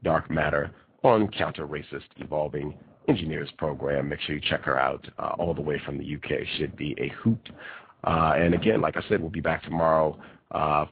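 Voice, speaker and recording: A man's voice: a bass voice, steady tone, normal speed, breathy edge, no echo. A man hosting a talk radio show, congested and nasal from a cold, delivering an emphatic monologue and repeating key phrases. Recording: tinny phone-line quality.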